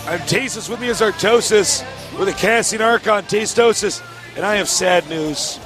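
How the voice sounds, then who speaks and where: A hoarse man casting esports as co-host, joking and upbeat in an exhibition hall. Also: high voice, music in the background. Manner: joking, upbeat, quick asides. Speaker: co-caster and host. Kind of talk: casual esports casting banter. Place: exhibition hall stage area.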